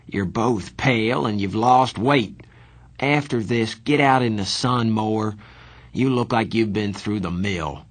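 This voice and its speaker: A man voicing a tough, sardonic young male street hood in an audiobook, rough and blunt, with slangy teasing talk. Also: lowish voice, takes it slowly. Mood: gruff teasing. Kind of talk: audiobook character dialogue.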